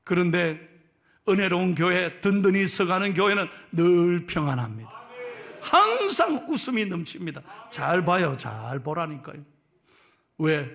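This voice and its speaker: Lively, gravelly Gyeongsang-accented male pastor. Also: high voice, a little slow. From Gyeongsang region of Korea. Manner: lively, joking preacher who teases the congregation. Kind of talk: sermon. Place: church sanctuary.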